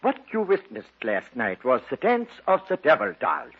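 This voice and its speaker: A grave occult doctor. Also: male voice, a little high, sing-song, gravelly, husky, exaggerated voice. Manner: formal, measured, authoritative. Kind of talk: 1950s radio drama acting. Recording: dull old radio broadcast.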